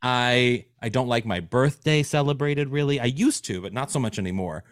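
A man chatting on a talk show, measured and reflective. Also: medium pitch, no echo, clean studio sound. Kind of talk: casual chat.

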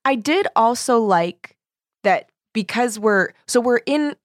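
A woman's voice: a little high, animated, slow pace, no echo, clean studio sound. A woman casually discussing books as a co-host, informal and slangy, often acting out reactions with "like". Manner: informal, slangy, peppered with 'like' and quoted reactions. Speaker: book discussion show co-host.

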